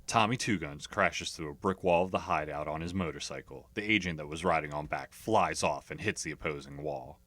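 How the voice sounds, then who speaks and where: A man's voice: extremely low pitch, fairly quick, few pauses, fairly bright tone, no room sound. A man working as a voiceover artist, reading scripted narration and advertising copy.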